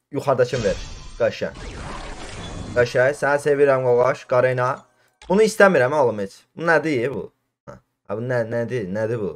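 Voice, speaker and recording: A man talks at a fairly slow pace with long, frequent pauses and ordinary pitch variation, faint music playing in the background. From Azerbaijan. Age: 20s. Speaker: gaming youtuber. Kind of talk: gameplay commentary. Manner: animated. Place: home room. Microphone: headset.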